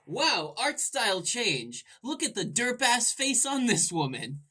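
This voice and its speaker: Hosting a gaming video, a woman with a fairly high, bright, pushed voice and slight roughness reads the script playfully and without hurry. Her pitch swings widely, and she breaks in with sudden, irreverent exclamations, joking her way through the let's play narration.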